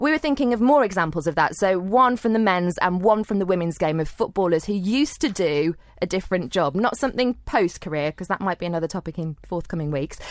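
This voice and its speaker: A woman speaks very fast at a medium pitch, with hardly any pauses. The recording is very clean, with a silent background. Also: lively intonation. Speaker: podcast host. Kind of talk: casual chat, podcast. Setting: studio. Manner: chatty, jokey.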